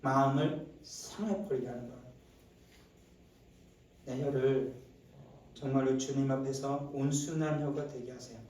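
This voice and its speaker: A male pastor preaching a Sunday sermon, swinging from low murmurs to loud, shouted exclamations and asking the congregation rhetorical questions. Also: fairly even intonation, a little slow, long pauses. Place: church sanctuary. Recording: very echoey church hall, mic at a distance.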